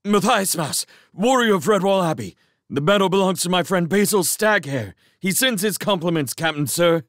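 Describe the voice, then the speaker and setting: A man voicing a brave young male mouse in a storybook reading, speaking eagerly and earnestly, often loud. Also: medium pitch, lively intonation, moderate pace, no room sound, clean studio sound, voice pushed up, close to an everyday voice. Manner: eager and earnest, calling out loudly.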